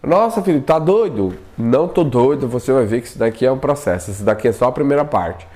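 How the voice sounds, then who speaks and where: A man's voice: medium pitch, quick pace. A man, telling a personal experience in casual spoken storytelling and acting out what he said back then. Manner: animated, acts out his own past pleas, often asks himself "por quê?".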